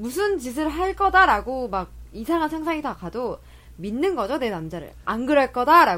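A woman speaks at a moderate pace in a high voice with very wide pitch swings and a bright, sharp tone, captured in a very clean recording with a silent background. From Jeolla region, South Korea. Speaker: radio host. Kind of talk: casual chat.

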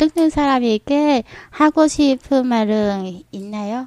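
Her voice has a dark, mellow tone and a high pitch with ordinary variation, and this woman speaks at a very slow pace in a dry, close sound with no echo. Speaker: migrant participant in radio workshop. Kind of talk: peer interview in halting Korean. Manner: halting.

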